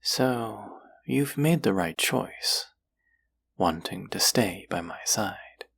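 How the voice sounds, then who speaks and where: A male actor plays a seductive, possessive demon in an intimate audio drama. The voice is very low and husky, and it moves slowly. The delivery is teasing and menacing, often sinking into a whisper. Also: animated, a bit bright, heavily acted. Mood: possessive, hungry. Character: possessive, seductive demon who craves human hearts. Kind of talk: intimate scripted audio roleplay.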